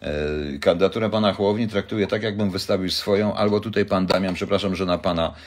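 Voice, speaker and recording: A man's voice: deep voice, steady tone, quick pace. An older man hosting a casual live chat, rambling and joking as he answers viewers' questions. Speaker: livestream host answering viewers.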